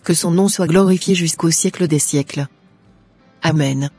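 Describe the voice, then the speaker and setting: A woman's voice: low-pitched, moderate pace, darkish tone, husky, faint music behind. A woman voicing a devout, earnest young Christian woman in a cartoon, speaking in a pious way. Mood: prayerful. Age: young adult.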